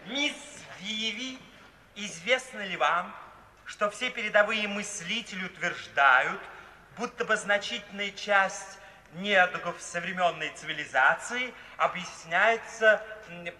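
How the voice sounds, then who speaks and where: A man's voice: sits high, unhurried, sharp tone, full character voice. An actor playing a flippant, idle young man with playful, mock-pompous delivery in a 1950s radio play. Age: young adult. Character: flippant, idle, charming young clergyman's son. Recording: echoey, distant 1950s recording, clear hiss.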